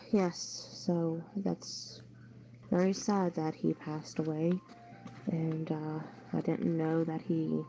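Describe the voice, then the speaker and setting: Slow, mellow woman on dull lo-fi audio. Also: lowish voice. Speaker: co-host reading news stories. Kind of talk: reading a news story aloud on amateur radio show. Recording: dull lo-fi audio with faint noise.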